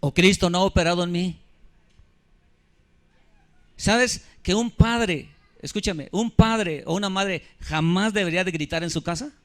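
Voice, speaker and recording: A man's voice: high-pitched, unhurried. Emphatic pastor in his fifties. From Mexico. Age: 50s. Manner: emphatic, keeps asking the congregation questions. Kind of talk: sermon.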